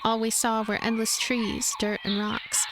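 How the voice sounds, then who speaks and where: A woman's voice: on the high side, flat delivery, unhurried, background noise. A woman streaming a game, reading its narration aloud with informal, conversational commentary. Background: game music.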